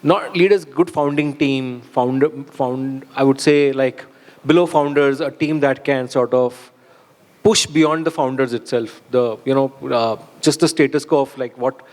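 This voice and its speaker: A man's voice: mid-range voice, unhurried, a little mellow. Indian man speaking in an echoey hall. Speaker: symposium panelist. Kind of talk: informal advice on stage. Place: large indoor hall. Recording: long echo of a hall.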